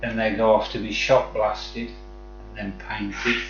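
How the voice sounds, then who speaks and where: A man with a Black Country accent talks at an unhurried pace in casual, friendly livestream chat. He addresses viewers like mates. The sound is dull and roomy, with faint music behind him. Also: fairly low pitch, flat delivery, fairly bright tone. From West Midlands, England. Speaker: live streamer chatting with viewers.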